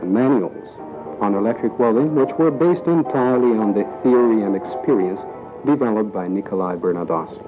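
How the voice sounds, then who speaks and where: Man, documentary narrator, mid-pitched and measured, tinny lo-fi recording over a music bed. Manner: measured, even reading of a history script. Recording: tinny lo-fi audio with music underneath.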